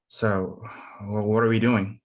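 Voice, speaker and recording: A man reading the part of a cautious, protective husband in a drama, measured and understated. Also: fairly low pitch, little pitch movement. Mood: steady, concerned. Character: cautious, steady, protective husband and town official. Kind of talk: screenplay table read.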